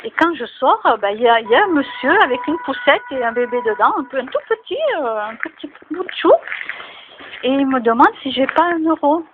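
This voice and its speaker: A woman's voice: sits high, lively intonation, a little fast. A woman vlogging casually to camera, chatting and moralizing with many fillers, recorded outdoors near her home. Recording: tinny phone-like sound with faint noise.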